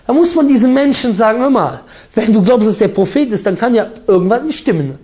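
A man preaching a sermon with emphatic, forceful delivery, mixing in Arabic recitation. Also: very high voice, animated, brisk.

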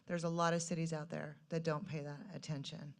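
Low-voiced woman giving prepared public remarks. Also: level tone, fairly quick. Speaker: public commenter. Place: city council meeting room, at public podium.

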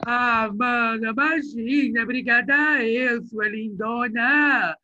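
A man imitating an elderly woman who puts on a São Paulo accent, drawn-out and sing-song as she thanks a phone operator. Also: very high-pitched, steady tone, sharp tone, highs cut off, pitched above the performer's own voice, exaggerated voice. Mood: sweet. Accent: put-on São Paulo accent.

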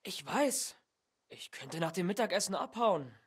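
An actor voicing a lazy young villager in a medieval video game, making cheeky excuses. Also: male voice, sits high, big pitch swings, measured pace, slightly rough, heavily acted. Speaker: game character.

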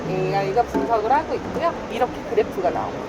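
A woman's voice: medium pitch, expressive, fast talker, rough recording. A woman giving a polite, complimentary product demonstration at an exhibition booth, in customer-service style. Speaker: booth demonstrator for beauty technology. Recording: loud music over busy venue.

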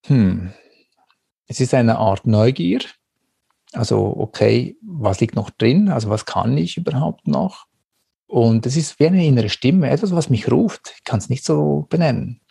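A man's voice: medium pitch, expressive, unhurried, creaky, warm tone, slightly rough, no room sound, studio quality. A man hosting a podcast, talking in a searching, reflective way and often repeating words as he thinks. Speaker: podcast host. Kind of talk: reflective conversation.

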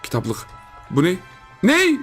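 A young man riffs through a game, excitable and joking, laughing often. His voice sits a little high, with faint background music under the talk. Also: takes it slowly. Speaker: gaming YouTuber. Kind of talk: casual gameplay commentary.

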